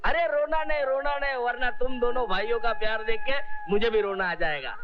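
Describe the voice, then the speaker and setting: A man's voice: high voice, moderate pace, over music, natural voice. An actor playing a kindly street showman in a 1990s Hindi film who takes in orphans, chiding, fatherly and jokey. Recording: dull lo-fi film soundtrack.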